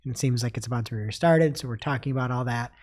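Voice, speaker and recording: A man co-hosting a podcast, telling a story in casual, animated chat. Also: mid-range voice, racing. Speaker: co-host.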